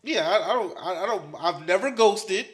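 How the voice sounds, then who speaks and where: A man's voice: high-pitched, animated, normal speed. A man co-hosting a casual chat, speaking in short, slangy interjections. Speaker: podcast co-host.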